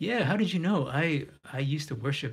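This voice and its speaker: Somewhat breathy, a man with an American accent talks at a fairly quick pace with lively intonation. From US South, Florida (Pinellas Park). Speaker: poster artist and art instructor. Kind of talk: live-streamed drawing tutorial. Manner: halting, many fillers.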